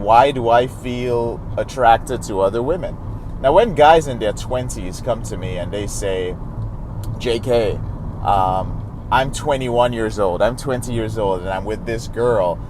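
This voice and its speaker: A man coaching his viewers in a direct, earnest monologue. His voice sits in a mid range, and he speaks frankly as if to brothers. Faint car and street noise runs under the recording. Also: medium pitch. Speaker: recovery coach. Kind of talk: direct-to-camera advice monologue.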